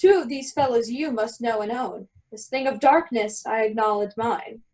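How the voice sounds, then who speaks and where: A woman's voice: a little high, moderate pace, a little mellow, close to an everyday voice. A woman playing a commanding, wronged duke and magician in a Shakespeare radio play. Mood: accusing, stern. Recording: distant from the microphone.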